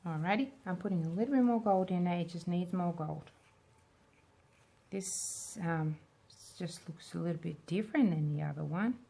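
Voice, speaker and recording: Casting: female craft-tutorial host, lowish pitch, lightly raspy smoker's tone, casual think-aloud delivery. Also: normal speed, warm tone, a little hiss or hum. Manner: informal, thinking aloud as she works. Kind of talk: casual hands-on demo chat.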